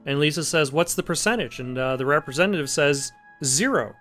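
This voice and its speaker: A man with a fairly high voice gives casual let's play commentary. He wanders into halting asides, with light music behind him. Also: expressive, fairly bright tone. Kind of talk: casual game playthrough commentary.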